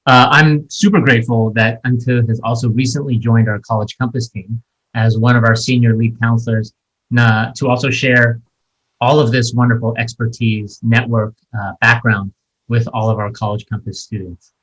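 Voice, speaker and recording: A man's voice: medium pitch, little pitch movement, normal speed, fairly bright tone, poor audio. A man hosting a podcast interview, introducing a guest and asking questions in an enthusiastic, chatty way with fillers. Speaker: podcast host.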